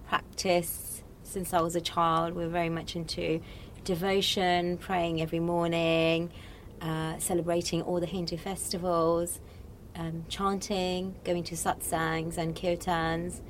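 Woman from Morocco, interview guest, slightly low pitch, casual, reflective conversation. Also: level tone, slow pace, slight background noise.

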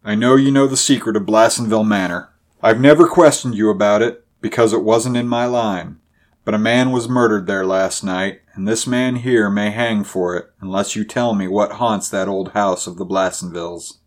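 A man's voice: fairly low pitch, fairly even intonation, moderate pace, natural voice. A man voicing a blunt, persistent sheriff in a storybook, questioning insistently. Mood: blunt, pressing.

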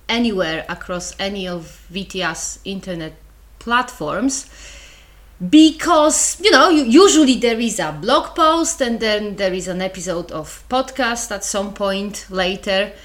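A woman's voice: medium pitch, a bit bright. A woman with a Polish accent hosting her own podcast, explaining ideas in a chatty, wry way with asides. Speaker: podcast host. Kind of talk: solo podcast lecture.

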